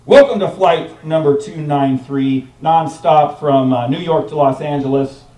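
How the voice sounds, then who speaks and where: A man playing a calm male airline captain making an intercom announcement, loud and steady. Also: a little high, unhurried, reverberant, distant mic, natural voice, low-quality recording. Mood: announcing.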